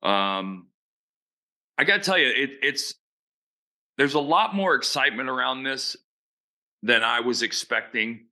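A man's voice: mid-range voice, unhurried, pauses often, bright, forceful tone. A man giving blunt, opinionated baseball analysis in casual podcast chat. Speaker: baseball analyst and show regular.

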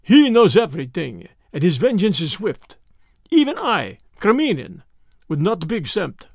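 A man's voice: sits high, sing-song, moderate pace, creaky, a little mellow, no room sound, studio quality, full character voice. A man voicing a scared, sullen, corrupt Russian revolutionary in storybook dialogue, pleading and evasive. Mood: fearful, sullen. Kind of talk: dramatised audiobook dialogue.

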